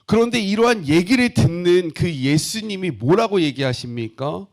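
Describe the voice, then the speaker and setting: A man's voice: high-pitched, expressive, moderate pace. A middle-aged man preaching a Bible sermon, asking the congregation questions and acting out the disciples' lines in blunt everyday speech. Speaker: pastor.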